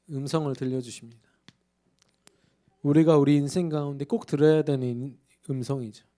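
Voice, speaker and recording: A man's voice: on the high side, mellow. A male pastor preaching in church, emphatic and full of rhetorical questions to the congregation. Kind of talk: sermon.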